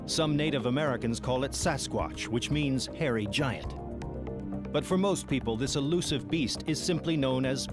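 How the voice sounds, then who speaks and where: A man's voice: mid-range voice, moderate pace. Male nature documentary narrator over prominent music. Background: music bed.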